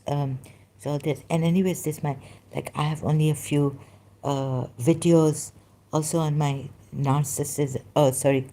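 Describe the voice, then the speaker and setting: In a personal monologue recorded while she rests at home, a woman vlogger speaks low, slow, and haltingly. Her first language is Khoja Sindhi, and her soft words drift between thoughts.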